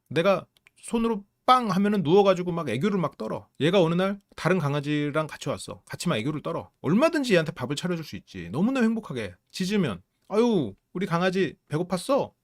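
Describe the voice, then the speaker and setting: Man, casual commentary, lively pitch, dry close sound. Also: no echo. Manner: animated, acts out quoted lines in raised voices. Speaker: psychology channel host reviewing a reality show.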